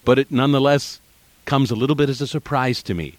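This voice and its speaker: A man hosting a radio interview, asking measured, reflective questions. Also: medium pitch, no room sound.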